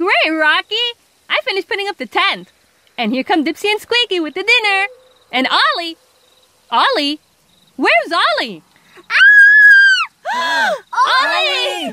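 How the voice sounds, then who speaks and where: In a put-on character voice with an extremely high pitch and very wide pitch swings, the speaker goes at a moderate pace with long, frequent pauses. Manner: upbeat.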